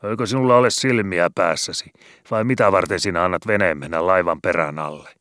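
A man voicing a gruff, bossy, boastful old male sea pilot who scolds loudly and swears in rough rural speech in a storybook reading. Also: extremely low pitch, no echo, clean studio sound. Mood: gruff scolding.

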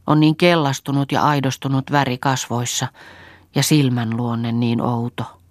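A woman's voice: rumbling low, level tone, no echo. A woman voicing an anxious farmhouse woman who coaxes and soothes in a half-whispered, urging voice. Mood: coaxing worry.

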